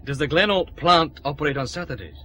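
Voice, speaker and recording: An actor playing a calm, commanding Glasgow detective chief inspector in a radio drama, with a Scottish accent. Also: male voice, a little high, a little fast, slight background noise.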